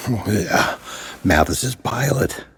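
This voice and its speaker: An actor playing an injured, suspicious, gruff prisoner in a video game, halting and strained. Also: male voice, mid-range voice, expressive, fairly bright tone, long reverb tail, soft background music, heavily acted. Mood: startled, groggy.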